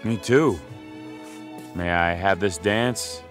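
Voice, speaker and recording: A man's voice: low-pitched, slow pace, over music. An actor in a radio drama playing a cocky, greedy small-time hood with an American accent and brash, slangy wise-guy talk. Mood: smooth, flirting.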